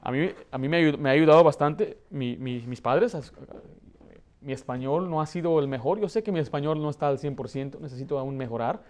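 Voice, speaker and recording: A man in his thirties who grew up in the United States, preaching a lively sermon from a pulpit with a Mexican Spanish accent. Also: a little high, fairly quick. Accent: Mexican Spanish, learned in the United States. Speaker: pastor. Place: church hall, plain indoor room.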